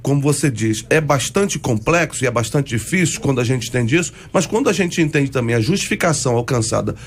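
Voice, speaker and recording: A man with a Brazilian Portuguese accent, a pastor explaining a theological point calmly and methodically on a radio debate. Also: mid-range voice, a little fast, soft background music.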